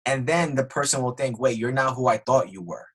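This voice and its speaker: A man's voice: mid-range voice, fairly quick, a bit bright, slightly rough. A man being interviewed on a podcast, earnestly explaining his views step by step, with frequent restarts. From Spanish family background. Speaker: guest.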